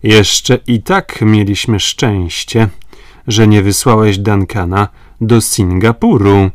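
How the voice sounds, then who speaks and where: A man voicing a serious army major in an audiobook, grave and quietly sarcastic. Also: low voice, very animated, takes it slowly, dry recording, clean studio sound, exaggerated voice. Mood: wry. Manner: grave and wry.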